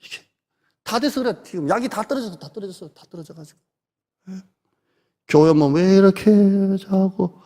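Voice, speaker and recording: A middle-aged Korean pastor with a high voice gives a chatty Sunday sermon, now and then sinking into a hushed near-whisper. His words ring out with a long reverb in a church sanctuary. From South Korea. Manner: conversational preaching, drops to soft near-whispers.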